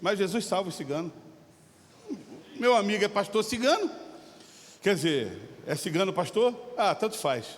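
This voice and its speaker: A man with a Brazilian Portuguese accent, a pastor preaching a sermon. He swings from shouted exhortation to relaxed, chatty storytelling. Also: high voice, moderate pace, pauses often. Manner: impassioned, shifting from shouting to storytelling. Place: church sanctuary. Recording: long hall reverb.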